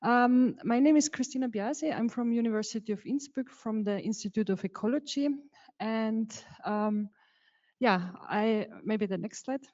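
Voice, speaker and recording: A woman's voice: on the high side, moderate pace, a little mellow. Casting: middle-aged woman scientist, informal, restarts sentences, slightly dull lo-fi mic. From Austria, Tyrol. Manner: informal, self-correcting. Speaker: ecologist and lecturer. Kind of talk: personal account in a lecture. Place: lecture hall.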